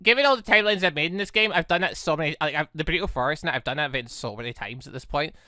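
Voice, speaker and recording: Gaming video host: bright, punchy voice, chatty and animated, casual commentary and read-aloud game text, dry sound. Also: medium pitch, no room sound.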